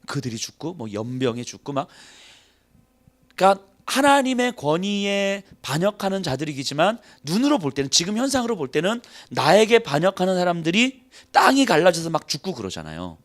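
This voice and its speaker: A male pastor preaching a playful, animated sermon, acting out little quotes and laughing as he goes. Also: on the high side. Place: church hall.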